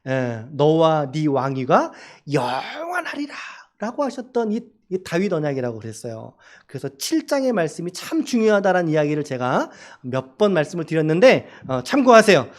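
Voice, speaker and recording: A male pastor delivers a Sunday sermon with a lively, animated voice that rises and falls freely. He speaks to the congregation conversationally, pausing to ask them questions. He slips into acted-out dialogue as he tells the story. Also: sits high. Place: church service.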